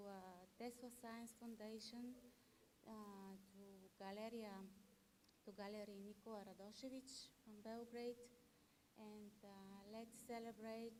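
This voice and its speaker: A woman gives short thanks, slow and flat, pausing on fillers between phrases. She is caught from a distance, with a faint hiss under her voice. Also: medium pitch. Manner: hesitant, many fillers. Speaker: award recipient.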